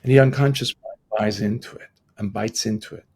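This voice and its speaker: A middle-aged man with an Iranian accent and a husky, gravelly voice, telling personal stories reflectively as an interview guest. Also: on the low side, steady tone, fairly quick, a little mellow. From Iran. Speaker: podcast guest, transformational coach.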